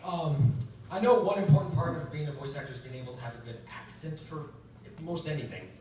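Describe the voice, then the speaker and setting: A man in the audience asks the panel a question, hesitant and tentative. His slightly high voice comes from far away across a reverberant convention hall, with noticeable room noise around it. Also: expressive, brisk. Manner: hesitant, starts with "uh" and "um". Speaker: audience member asking questions. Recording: echoey hall, far from camera.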